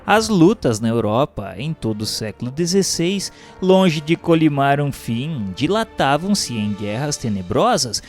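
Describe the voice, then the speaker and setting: Solemn Brazilian male narrator over music. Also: mid-range voice. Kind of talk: scripted dramatic historical narration. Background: music bed.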